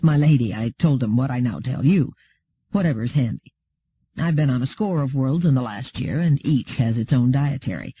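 A man's voice: mid-range voice, animated, moderate pace, husky. A man voicing a brash, cheeky, well-travelled settler trader in an audiobook, laconic and self-assured. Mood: matter-of-fact. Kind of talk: audiobook character dialogue. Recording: roomy, dull lo-fi audio.

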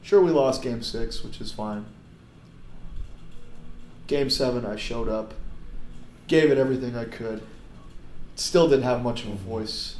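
A hoarse man who has lost his voice, hosting a casual podcast and breaking into excited whoops. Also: medium pitch, a little slow, long pauses. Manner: excitable, bursts into loud whoops. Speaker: podcast host. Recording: echoey room with faint noise.

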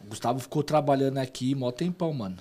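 A man's voice: mid-range voice, quick pace, a little mellow. A man chatting casually as a co-host, blunt and slangy with some swearing. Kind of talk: casual chat.

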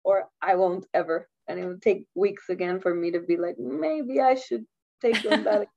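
A creaky, darkish mid-range voice belongs to a chatty Costa Rican university student speaking at normal speed as a guest in a casual interview. She laughs often and lets sentences trail off, all captured in dull, muffled lo-fi sound.

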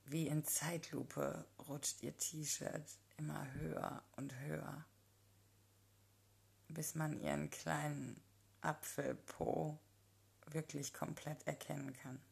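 A woman narrating a first-person erotic story in a calm, intimate storytelling manner. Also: low voice, slow pace, creaky, slightly rough.

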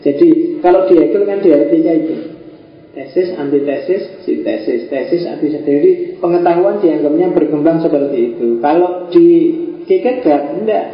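Man lecturing in a very echoey room. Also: a little high. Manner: explanatory, with rhetorical questions and everyday examples. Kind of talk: philosophy lecture. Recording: very echoey, dull lecture hall.

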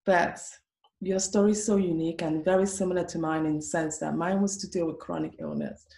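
A woman from Africa hosts a conversation, earnest and emphatic. She slows down to stress her points. Her voice sits very low with a gravelly fry, and the room echoes around her. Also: fairly even intonation, warm tone. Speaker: host. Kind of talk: conversational interview.

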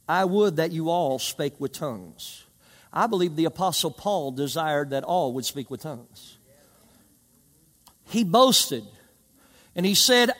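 A high-voiced man preaches to a responsive congregation, pressing his points with emphasis and folksy stories. His voice carries a long reverb, as if filling a large hall. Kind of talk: sermon. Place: church service with live congregation.

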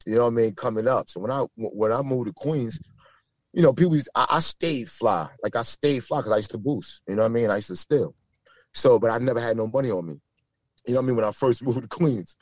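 A man's voice: medium pitch, fast talker, dry recording. New York man telling street stories. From Brooklyn, New York. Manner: repeats himself, stacks fillers and restarts, animated. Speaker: guest. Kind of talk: casual interview storytelling.

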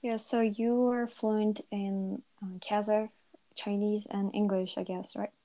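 A woman interviewing a guest in a relaxed conversational way, offering guesses and soft fillers to prompt her answers. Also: medium pitch, slow pace.

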